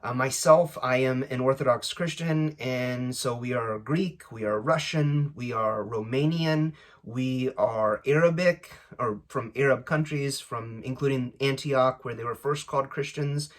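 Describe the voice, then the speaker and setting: A man speaking casually and unscripted as host of a language-learning channel, often halting as he searches for his words. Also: medium pitch. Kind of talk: casual unscripted introduction to camera.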